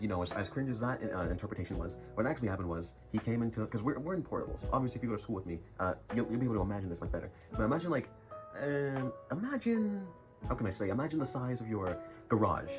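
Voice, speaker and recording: A young man telling a rambling school story in a casual vlog, full of jokey, self-mocking asides. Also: lowish voice. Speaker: YouTuber. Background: music.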